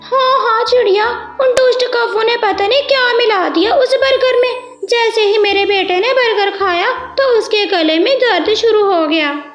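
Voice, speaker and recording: A woman's voice: very high-pitched, a little slow, hardly any pauses, lo-fi sound, pitched above the performer's own voice. A woman voicing a firm father parrot in a cartoon, talking sternly. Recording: echoey with background music.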